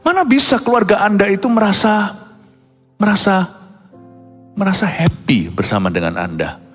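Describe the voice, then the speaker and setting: A male pastor preaching a sermon in a conversational, animated way, acting out quotes and mixing in English words. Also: high voice, moderate pace, slightly rough. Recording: long hall reverb, faint background music.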